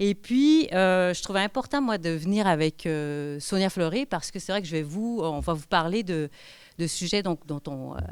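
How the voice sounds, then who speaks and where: Speaking at a fairly slow pace, a woman uses a fairly low pitch and lively intonation. The recording is very clean, with a silent background. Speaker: professor. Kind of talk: conference lecture.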